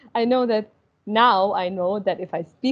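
With an Arabic accent, a woman speaks at a medium pitch in a fairly even intonation. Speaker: dentist and author. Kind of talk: interview. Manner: halting.

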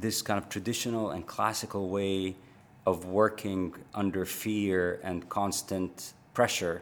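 A man with an American accent talks in a fairly low pitch. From United States. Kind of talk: interview. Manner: halting, many fillers.

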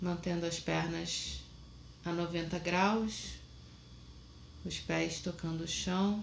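With a calm tone, a woman speaks very slowly, leaving long, frequent pauses. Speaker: meditation guide. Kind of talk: guided meditation. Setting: video call, live Zoom broadcast. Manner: slow, calm, soft-spoken, with long pauses.

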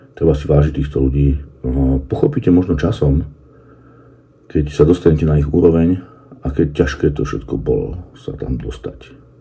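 A man with a very deep, low pitch speaks at a moderate pace, leaving long, frequent pauses, with ordinary pitch variation and noticeable background noise. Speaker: fitness coach and podcast host. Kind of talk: casual monologue and interview.

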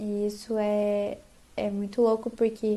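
The woman's voice is fairly high in pitch. Its tone is dark and mellow. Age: young. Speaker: pre-recorded contributor. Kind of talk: recorded video message.

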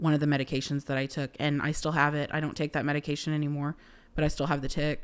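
A woman with a very deep, low voice speaks in a monotone, flat manner. The recording is very clean, and the background is silent. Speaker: guest talking about mental health. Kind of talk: casual conversation.

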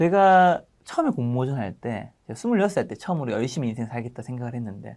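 His pitch swinging very widely, a man talks in a very clean recording against a silent background. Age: 40s. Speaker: author and finance YouTuber. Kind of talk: interview.

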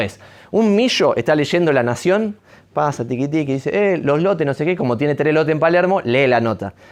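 A man is speaking here. His pace is moderate and his intonation lively. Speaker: real estate entrepreneur. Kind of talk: talk to a live audience.

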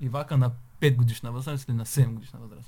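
A man talks at a moderate pace in a medium pitch, his tone dark and mellow, his voice somewhat breathy, with ordinary pitch variation. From Bulgarian provinces. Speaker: podcast host. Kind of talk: casual interview. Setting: improvised studio.

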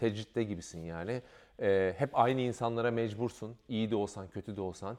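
Against a quiet background, a man with a plain, everyday voice speaks at a moderate pace, his fairly low pitch kept in a fairly even intonation. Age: 40s. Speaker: ultramarathon runner and coach. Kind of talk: casual chat.

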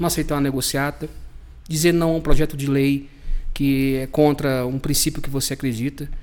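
Fairly quick speech in a flat monotone, broken by long, frequent pauses. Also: man. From Brazil, interior of Ceará (Northeast). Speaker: podcaster and former pastor. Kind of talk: casual interview.

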